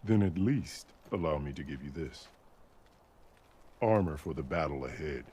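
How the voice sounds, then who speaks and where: An actor playing a grave, noble tribal chief in a video game, speaking formally and solemnly with authority. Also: male voice, very deep voice, expressive, moderate pace, dark tone, husky, exaggerated voice. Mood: earnest, solemn. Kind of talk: video game cutscene acting.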